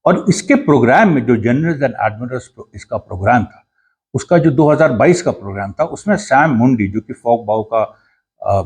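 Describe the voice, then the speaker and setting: A man giving an earnest, explanatory commentary monologue, pausing and restarting often. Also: mid-range voice, a little mellow, breathy edge. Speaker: political commentator.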